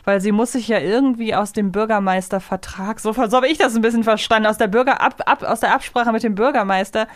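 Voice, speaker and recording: A woman's voice: on the high side, fast, hardly any pauses, no room sound, clean studio sound. A woman co-hosting a casual review podcast, rambling and correcting herself as she goes. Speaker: podcast co-host.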